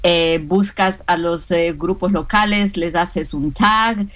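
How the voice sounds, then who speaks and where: Woman with a Hispanic accent, halting. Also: fairly low pitch, fairly even intonation, fairly bright tone. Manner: hesitant, many fillers and restarts. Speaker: small business credit instructor. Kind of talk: radio and live stream interview guest.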